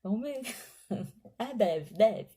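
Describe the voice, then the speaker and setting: A woman's voice: mid-range voice, animated, drawn-out words, dark tone, breathy edge. A woman pastor giving an emotional testimony in a sermon, talking straight to the congregation. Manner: emotional storytelling, addresses congregation as brothers.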